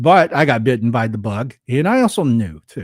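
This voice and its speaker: In a plain, everyday voice, a man talks at a medium pitch with lively intonation. The sound is dry and close with no echo, in a very clean recording with a silent background. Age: 60s. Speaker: podcast host and guitarist. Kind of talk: solo podcast monologue. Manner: casual, with frequent fillers and restarts.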